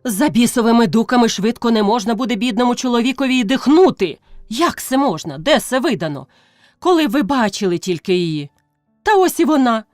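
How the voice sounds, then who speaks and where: A woman's voice: on the high side, animated, brisk, darkish tone, no room sound, clean studio sound, faint music behind, close to an everyday voice. A woman reading a novel aloud, voicing a village man who urgently pleads and protests with a raised voice. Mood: pleading, indignant. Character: shouting village man, defending a widow.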